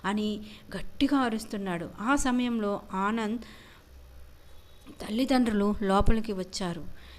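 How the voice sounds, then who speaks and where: A woman telling an emotional family story in a steady, plain narrating voice. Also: mid-range voice, measured pace, long pauses.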